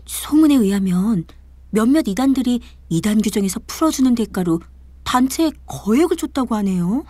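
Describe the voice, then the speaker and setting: Secretive church gossip, mellow and husky, confiding, audio drama. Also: female voice, fairly high pitch, animated, moderate pace, dry recording. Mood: conspiratorial.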